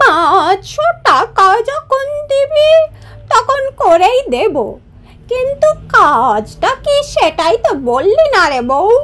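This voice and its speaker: A cartoonish character voice moves at a very slow pace with very wide pitch swings. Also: woman, extremely high pitch for a woman. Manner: familiar, haggling.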